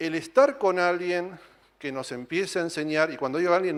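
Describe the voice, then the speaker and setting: A man talks at a very fast pace with an Argentine accent. The recording is very clean, with a silent background. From Argentina. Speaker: auditor and business executive speaker. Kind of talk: conference talk.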